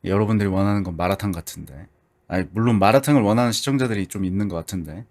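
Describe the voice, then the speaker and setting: A man chatting casually with his livestream viewers, thinking aloud in a chatty, animated way. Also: lowish voice, rapid-fire. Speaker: livestreamer, VTuber.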